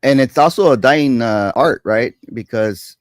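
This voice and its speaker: A man's voice: medium pitch, a little slow, no echo, clean studio sound. A man in his thirties hosting an interview in a laid-back way, with many fillers. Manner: laid-back, uses fillers like uh and you know. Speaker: podcast host. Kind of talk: casual interview.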